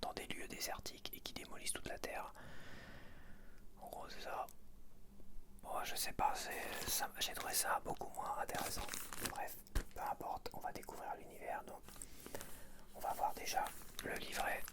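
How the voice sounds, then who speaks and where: A man's voice: normal speed, long pauses. A man speaking in an unvoiced whisper, chatting casually and informally in a rambling, self-correcting ASMR style. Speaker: ASMR video creator.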